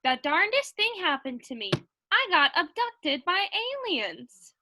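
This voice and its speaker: Woman playing a bright, high Minnesotan housewife. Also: sing-song, measured pace, slight background noise, exaggerated voice. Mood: folksy, matter-of-fact. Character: sweet, folksy Minnesotan housewife, mildly unflappable. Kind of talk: sketch comedy staged reading.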